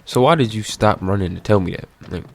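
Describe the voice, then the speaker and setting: A man's voice: fairly low pitch, expressive, quick pace, darkish tone, slight background noise. A man giving casual, wry commentary over a video game he is playing, with game sound faintly behind him.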